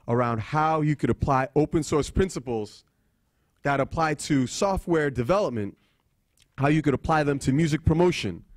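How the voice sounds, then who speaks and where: A man giving a talk, telling a personal story in an animated way that swings between loud and hushed. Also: a little high, dry recording, clean studio sound. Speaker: guest speaker.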